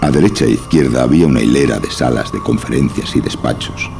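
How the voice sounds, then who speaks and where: A man's voice: very deep voice, quick pace, gravelly. A man narrating a scripted horror story over music. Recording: music behind the voice.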